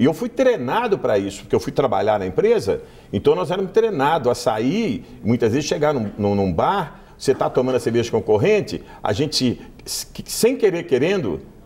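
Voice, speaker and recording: A man talks at a moderate pace with a fairly high pitch and vocal fry. His pitch swings very widely. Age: 60s. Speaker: pastor. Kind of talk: casual chat.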